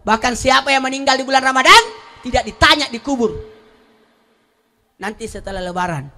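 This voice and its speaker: A man preaching a sermon, animated and humorous, moving from soft storytelling to loud exclamations. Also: very high voice, a little fast. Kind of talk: sermon at a religious gathering.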